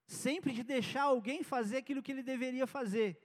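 A pastor with a high voice delivers a sermon in a relaxed, conversational way and weaves in personal stories. His words ring out with a long reverb, as if in a large church hall. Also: brisk. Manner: conversational preaching with personal anecdotes.

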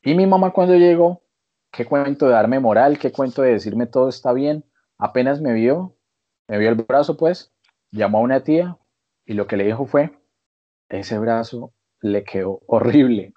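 A young Colombian man with a Colombian accent, a podcast co-host telling a casual story with lively quoted voices. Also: medium pitch, normal speed, highs cut off. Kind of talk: casual chat.

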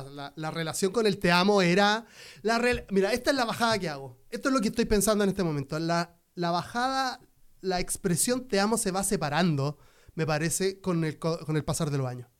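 A man's voice: high-pitched, moderate pace, clear, resonant tone. A young man in a casual chat, asking probing questions and thinking aloud.

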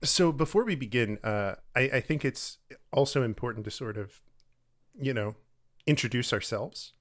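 A man in his late twenties from Texas, co-hosting a casual podcast and talking in a relaxed, rambling way with fillers and light laughs. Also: mid-range voice, normal speed. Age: 20s. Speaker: podcast co-host.

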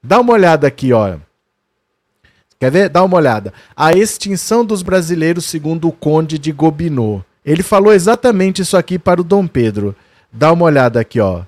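A man's voice: on the high side, lively intonation, fairly quick, darkish tone, no echo. A man with a Brazilian Portuguese accent explains history conversationally and shows documents to the viewer. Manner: quotes historical figures in a raised voice. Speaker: history presenter.

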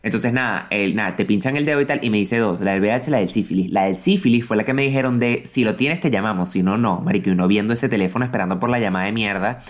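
A young man, telling a story in a casual chat, expressive and quick. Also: lowish voice.

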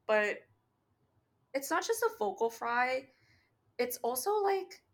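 A woman with a Canadian accent and heavy vocal fry, co-hosting a casual podcast chat with long pauses. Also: high voice, very animated. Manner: long pauses, candid and swearing. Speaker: podcast co-host.

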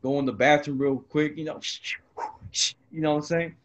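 A man hosting a casual chat, talking in a relaxed, slangy way and telling stories. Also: on the high side, unhurried. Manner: slangy and laid-back, full of "bro" and "you know what I'm saying". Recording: lo-fi, slightly dull sound.

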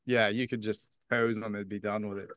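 A man's voice: on the low side, level tone, brisk, no room sound, highs cut off. A man on a casual podcast, chiming in with short questions and remarks. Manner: brief interjections.

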